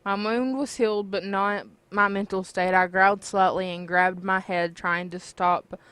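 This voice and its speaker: A woman's voice: medium pitch, steady tone, unhurried, fairly bright tone, smooth, dry recording. A giggly woman chatting and reading along casually, interjecting with playful protests. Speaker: story author co-reading and commenting. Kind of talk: casual chat and read-aloud with interjections.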